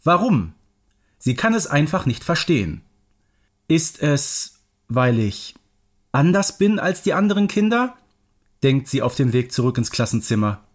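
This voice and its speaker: A man narrates a scripted story for children. His voice is fairly high for a man and moves widely up and down, giving the storytelling a very animated shape. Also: a little slow, long pauses.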